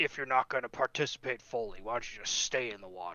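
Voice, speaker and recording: In a rumbling put-on character voice of medium pitch, a man rattles along at a very fast pace. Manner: grumbling.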